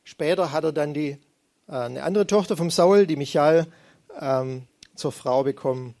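Conversational male preacher, higher voice. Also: moderate pace, darkish tone. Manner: conversational storytelling, retells scripture in everyday speech. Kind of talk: sermon.

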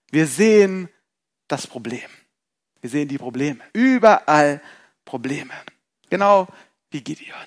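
A man preaching a sermon in a lively, rhetorical way, asking questions and acting out people's thoughts. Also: on the high side.

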